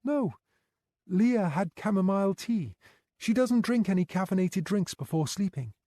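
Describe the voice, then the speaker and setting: A fretful young care worker woman, as a male storyteller puts her on, her voice lifted high and trembling with worry. She pleads and explains in lively rises and falls, close to tears. The sound is warm and dry, right up at the mic. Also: unhurried, no room sound. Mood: worried. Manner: tearful, worried, pleading. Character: anxious young female night care worker.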